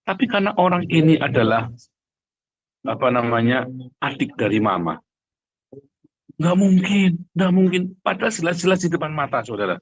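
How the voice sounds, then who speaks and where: A man preaching in a conversational, emphatic way, repeating phrases for emphasis and addressing listeners directly, with a husky voice. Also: a little high, sing-song, moderate pace, long pauses, dry recording, highs cut off. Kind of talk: livestream sermon, conversational and emphatic.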